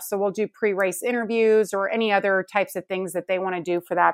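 With an American accent and fairly even intonation, the speaker comes through on a very clean recording with a silent background and a dry, close sound free of echo. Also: woman. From US West (Lake Tahoe, California; teens in Las Vegas). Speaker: motorsports TV reporter. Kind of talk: interview conversation.

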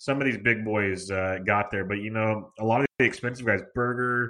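This man has an ordinary speaking voice at a medium pitch. His pitch variation is ordinary and his pace moderate. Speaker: podcast host. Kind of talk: casual sports betting chat with ad reads.

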